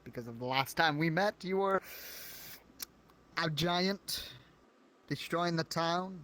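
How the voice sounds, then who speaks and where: A man's voice: fairly high pitch, slow, a bit bright. A man playing a distrustful, indignant town survivor in an improvised fantasy roleplay, theatrical and accusatory.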